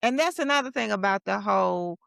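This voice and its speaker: Blunt, gravelly woman in her forties. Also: mid-range voice, a little fast, no echo. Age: 40s. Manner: animated, blunt, acts out quotes. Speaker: podcast co-host. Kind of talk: casual chat.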